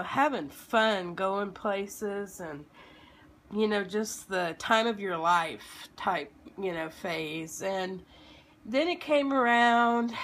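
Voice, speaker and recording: Slow-talking, slightly froggy woman storyteller. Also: medium pitch, a bit bright. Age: 30s. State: sick with a lingering illness. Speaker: video blogger telling a personal story. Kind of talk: informal personal storytelling, as if to children.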